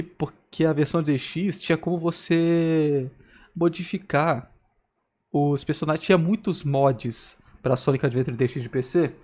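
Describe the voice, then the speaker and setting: A man's voice: on the high side, a little mellow. A Brazilian man reacting casually, telling stories in a rambling, slangy way. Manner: slangy, rambling, repetitive storytelling. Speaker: reaction video host.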